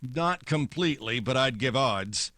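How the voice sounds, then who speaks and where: An actor playing a hard-boiled, wry private detective with terse, sardonic wisecracks, in old-time radio noir style. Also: male voice, medium pitch, expressive, unhurried, sharp tone, no room sound. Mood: brisk, wary.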